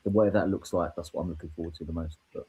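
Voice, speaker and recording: Guy, lowish voice, rambles about stuff, lots of ums. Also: steady tone, very fast, mellow, breathy edge. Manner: earnest, rambling, hesitant. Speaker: guest. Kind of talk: casual chat.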